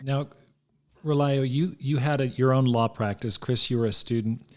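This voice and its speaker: A man's voice: medium pitch, fairly even intonation, moderate pace, darkish tone. A man hosting an interview, asking his guests friendly questions with a light teasing tone. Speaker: interviewer, podcast host.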